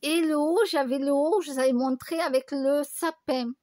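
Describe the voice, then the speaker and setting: A woman's voice: high-pitched, steady tone, normal speed, a little mellow, no room sound, clean studio sound. A woman chatting casually to her viewers, telling a rambling story full of fillers and restarts. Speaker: vlogger. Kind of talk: casual chat to camera.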